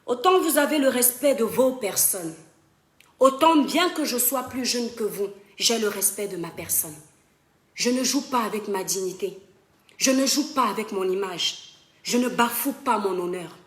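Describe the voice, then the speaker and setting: A woman's voice: a little high, expressive, normal speed, echoey room. Impassioned woman on a live stream. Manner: impassioned, addresses viewers as "mes étoiles". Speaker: social media live streamer. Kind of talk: emphatic Facebook live monologue. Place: home in western France.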